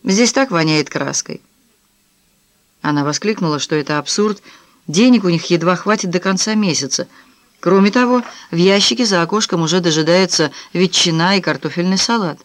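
A woman narrating an audiobook novel in a measured, even reading style. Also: fairly low pitch, no room sound. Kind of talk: scripted narration.

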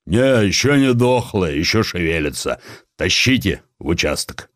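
Man playing a low-voiced, plain-spoken young man. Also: very animated, moderate pace, a bit bright, no room sound, clean studio sound. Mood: gruff, breezy. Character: bold, good-natured young brawler turned dutiful chemist son. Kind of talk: acted dialogue within audiobook narration.

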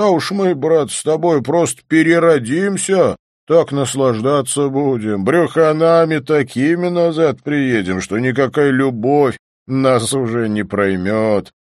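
A man reading aloud and voicing a calm, wry male friend who coaxes and jokes in a lightly raised voice. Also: mid-range voice, no echo, clean studio sound, pitched above the performer's own voice, close to an everyday voice. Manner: coaxing, joking, lightly raised.

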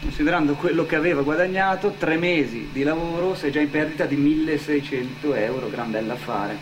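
A man's voice: on the high side, fairly quick, background noise. A man narrating a theatre piece with wry, terse asides. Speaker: narrator and singer. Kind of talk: theatrical narration over music. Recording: roomy stage sound with loud music.

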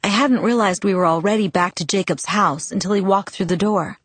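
A woman reading a novel aloud in first person, steady and measured. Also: medium pitch, slightly rough, dry recording. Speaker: audiobook narrator. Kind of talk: scripted first-person narration.

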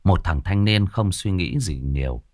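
A man's voice: deep voice, animated, a little slow, darkish tone, no echo, studio quality. A man narrating a ghost story with a dramatic storytelling delivery.

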